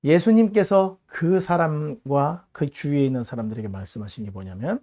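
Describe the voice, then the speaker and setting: A pastor delivering a sermon, retelling a Bible story in an animated way and acting out the voices of the people in it. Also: male voice, a little high, moderate pace.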